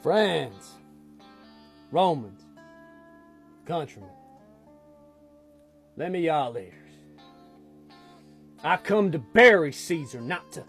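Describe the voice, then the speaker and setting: Speaking with a Southern US accent, a husky-voiced man recites a Shakespeare monologue casually, halting and starting over at times. His pitch runs on the high side.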